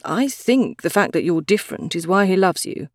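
Woman voicing a calm pragmatic young woman, matter-of-fact, lowish voice. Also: normal speed, dry recording, clean studio sound.

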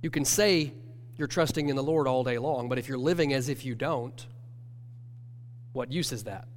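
Brief: man with a cold, nasal church teacher, earnest and measured, long reverb around him. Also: medium pitch. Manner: earnest, measured, self-correcting. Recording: long hall reverb with faint hum.

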